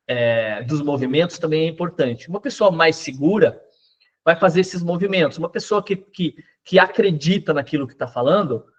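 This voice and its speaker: A man teaching a class on body language, explaining step by step with lists of examples and quick checks with his listeners. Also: a little high, highs cut off. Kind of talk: recorded class lecture.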